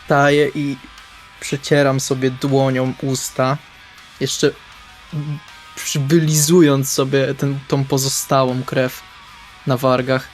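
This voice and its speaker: A man playing a tabletop RPG, narrating his character's actions in the first person in short, deliberate phrases. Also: mid-range voice, flat delivery. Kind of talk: first-person roleplay narration over game session. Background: soft guitar music.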